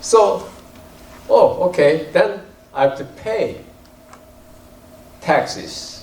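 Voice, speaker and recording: Amid audible room echo and noticeable background noise, a man speaks very slowly with long, frequent pauses. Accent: Korean. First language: Korean. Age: 80s+. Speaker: business owner. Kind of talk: forum speech. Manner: halting.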